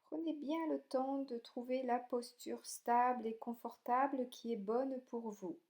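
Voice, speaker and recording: A woman leading a guided yoga relaxation, speaking calmly and soothingly in short, gentle instructions with pauses between them. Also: a little high. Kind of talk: slow guided meditation narration.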